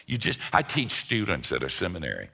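A man preaching a sermon to his congregation, folksy and emphatic, with a dry joke now and then. His low voice has a gravelly edge, yet it sounds bright and forceful. He swings his pitch widely to drive each point home. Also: huge pitch swings, brisk. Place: church service before a congregation.

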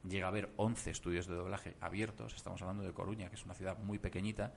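A man with a very deep, low voice speaks as a podcast guest. He tells his stories in an animated way and wanders into asides, with a faint hiss in the background. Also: quick pace, gravelly. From Germany. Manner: animated storytelling, many asides. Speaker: voice actor guest. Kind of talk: casual podcast interview.

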